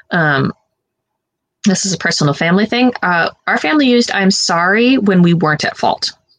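Speaking fairly quickly with lively intonation, a woman has a Pacific Northwest accent. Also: medium pitch for a woman. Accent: General American, Pacific Northwest. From US Pacific Northwest (Washington State). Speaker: podcast guest discussing personality types. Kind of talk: casual interview chat.

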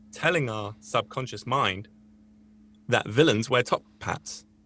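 A man with a British accent is heard in a dry, close sound with no echo. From UK. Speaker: actor and podcast guest. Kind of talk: casual chat. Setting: video call.

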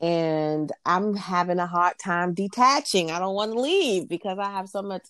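On a very clean recording with a silent background, a woman speaks at a medium pitch with ordinary pitch variation, the sound dry and close with no echo. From New York City, Queens. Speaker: business owner and church elder. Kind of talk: podcast interview.

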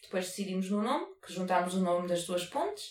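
A woman with a European Portuguese accent speaks at a medium pitch. Her moderate pace carries audible room echo. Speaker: podcast co-host. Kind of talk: casual chat.

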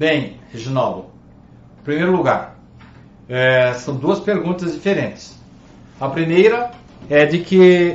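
A man's high-pitched voice with lively intonation at a very slow pace, audible room echo around it. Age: 70s. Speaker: spiritist speaker and show host. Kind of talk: live Q&A program. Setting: broadcasting alone from home.

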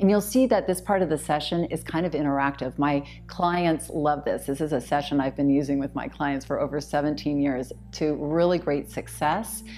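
A woman at a moderate pace with hardly any pauses, music in the background. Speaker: hypnotherapist guiding meditation. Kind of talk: guided hypnosis meditation. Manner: soft, gentle and rhythmic, repeating words like deeper and deeper.

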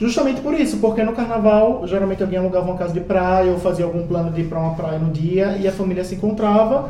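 A man talks at a very fast pace with hardly any pauses, his pitch high and its variation ordinary. Audible room echo and noticeable background noise accompany him. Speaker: podcast co-host. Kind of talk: casual chat.

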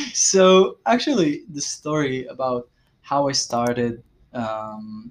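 This man's pitch varies in an ordinary way. Behind him, music can be heard. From Israel, rural periphery. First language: Hebrew. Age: 20s. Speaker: podcast guest. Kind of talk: casual interview. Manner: halting.

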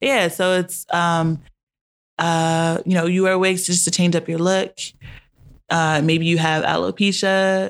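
The delivery is fairly slow and monotone, with flat intonation and long, frequent pauses. Loudness stays very even throughout. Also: woman, fairly low pitch for a woman. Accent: American. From Maryland, US. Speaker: entrepreneur. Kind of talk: casual chat.

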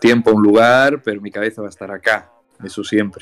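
This is a man with a fairly low pitch. He talks at a fairly slow pace. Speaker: podcast guest, emigrant. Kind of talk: casual chat.

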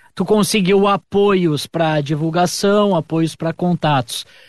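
This man's voice is high in pitch, with ordinary pitch variation and a fairly slow pace. The sound is dry and close with no echo, and the background is quiet. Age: 30s. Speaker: podcast host. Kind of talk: casual interview.

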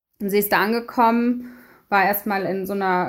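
In a very clean recording with a silent background, a woman with a plain, everyday voice speaks at a moderate pace, fairly high in pitch with ordinary pitch variation. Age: 30s. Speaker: nonprofit fundraiser and storyteller. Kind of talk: storytelling narration. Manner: casual, with filler words.

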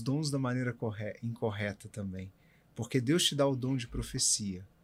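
A man talks in an ordinary speaking voice at a medium pitch and a fairly slow pace. His pitch variation is ordinary, and the recording is very clean with a silent background. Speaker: evangelist and podcast co-host. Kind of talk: casual chat.

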